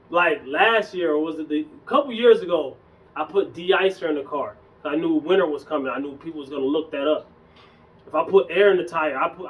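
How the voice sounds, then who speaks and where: A young man casually talking in a relaxed, slangy way as a fitness vlogger, a bit hoarse from losing his voice. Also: sits high, distant mic, lo-fi sound. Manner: loose, conversational, slangy. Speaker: fitness YouTuber. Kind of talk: casual vlog chat.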